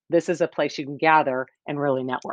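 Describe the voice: Fairly even intonation in a dry, close sound with no echo. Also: woman.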